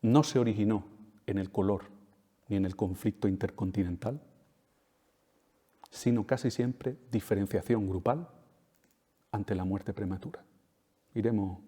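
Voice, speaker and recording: A man's voice: on the low side, dark tone. A man from giving an emphatic lecture, repeating key phrases and checking in with tag questions. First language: Spanish. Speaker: speaker at a talk. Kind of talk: lecture to an audience. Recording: reverberant hall.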